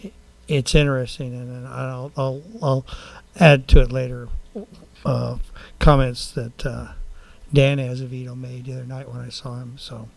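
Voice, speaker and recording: A man speaking as a council member in a public meeting, plain-spoken and rambling, with halting phrasing. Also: medium pitch, little pitch movement, gravelly.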